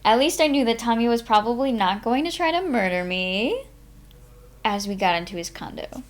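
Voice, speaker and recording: A woman's voice: fairly high pitch, expressive, normal speed. A woman narrating a memoir aloud as a live streamer, in an informal manner with her own small asides. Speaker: streamer reading a book aloud.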